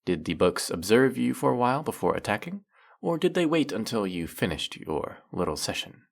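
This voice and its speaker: A man's voice: medium pitch, sing-song, moderate pace, creaky. A man playing a teasing, sarcastic, flirtatious male faerie in a scripted roleplay monologue, scolding the listener with dry, theatrical playfulness. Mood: teasing, curious.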